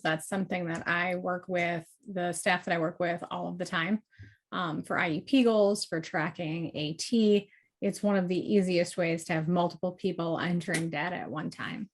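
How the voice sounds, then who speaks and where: A woman's voice: lowish voice, steady tone, normal speed. A woman co-presenting in a webinar discussion, speaking in an upbeat, emphatic way.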